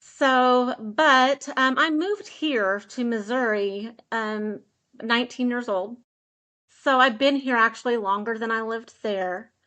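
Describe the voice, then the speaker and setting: A woman's bright, sharp, fairly high voice at a fairly slow pace. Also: ordinary pitch variation, quiet background. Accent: American. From Florida. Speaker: travel agent. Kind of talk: interview.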